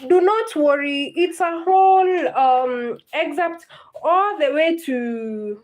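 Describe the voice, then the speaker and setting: A woman's voice: high voice, slow pace, a little mellow. A woman, teaching literature in a live-streamed lesson, patient and repetitive, often checking whether her students understand. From Kenya.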